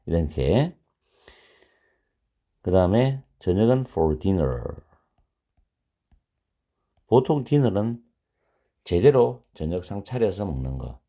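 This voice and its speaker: Slow deep-voiced male English teacher. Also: very animated, mellow. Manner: slow, explaining with repeated example sentences. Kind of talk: beginner grammar lecture.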